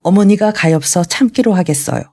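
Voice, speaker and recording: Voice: medium pitch, fairly quick, dark tone, close to an everyday voice. A reader voicing a bitter young son. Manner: bitter, raised voice.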